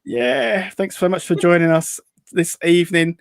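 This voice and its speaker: A man's voice: sits high, measured pace, gravelly, no room sound, clean studio sound. A man hosting a casual online chat show, reading out viewer comments with lots of fillers over a video call. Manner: chatty, reads out viewer comments, many fillers. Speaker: host.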